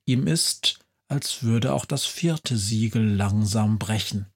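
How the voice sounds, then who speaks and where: A man narrating a children's audio story in a calm, deliberate storytelling manner. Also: lowish voice, breathy edge.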